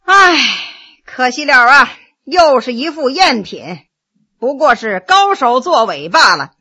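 Woman as male court official, storybook figure, servile yet knowing, bright animated high voice. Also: unhurried, heavily acted. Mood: disappointed. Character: sly, obsequious male court official, self-assured connoisseur. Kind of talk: dramatized storytelling.

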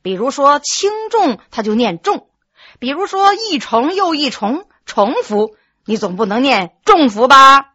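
A woman's voice: high voice, big pitch swings, sharp tone, husky, no room sound, lo-fi sound, full character voice. A woman voicing a patient bookish scholar. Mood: patiently explaining. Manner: measured, chanting classical text slowly.

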